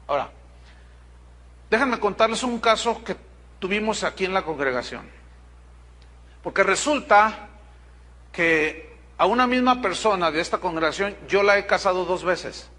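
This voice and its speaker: A middle-aged man with a Mexican accent preaching a sermon, telling a congregation story in a direct, animated way with humorous asides. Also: high voice, normal speed, pauses often. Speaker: pastor.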